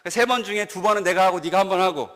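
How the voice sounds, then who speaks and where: A man's voice: high-pitched, very fast, a bit bright, in a large hall. A man who is a pastor, preaching a sermon in a church, telling a family story and putting questions to the congregation. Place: church sanctuary.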